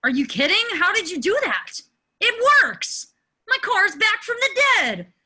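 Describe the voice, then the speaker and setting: A woman's voice: very high-pitched, sing-song, a little slow, sharp tone, full character voice. A woman playing a hapless, self-deprecating teenage boy in an amateur script read over a video call. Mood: excited, alarmed.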